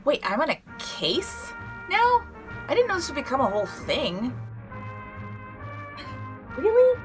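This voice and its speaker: A woman's voice: high-pitched, wildly swooping pitch, measured pace, music in the background, heavily acted, rough recording. A woman playing a wry, rambling lone radio broadcaster in a comedy audio drama, awkward and self-deprecating. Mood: flustered.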